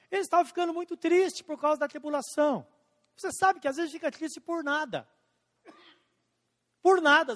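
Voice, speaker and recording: High-voiced preacher in a reverberant hall. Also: male voice. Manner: preaching with emphatic rising and falling delivery, slowing on scripture quotes. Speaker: pastor. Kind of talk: sermon.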